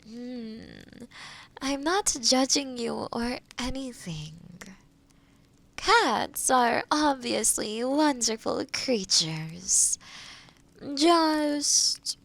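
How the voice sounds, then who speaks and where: A woman playing a kind, gently teasing forest witch in an intimate audio roleplay, speaking softly and thoughtfully with hums and pauses. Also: on the high side, expressive, full character voice. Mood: surprised, reassuring.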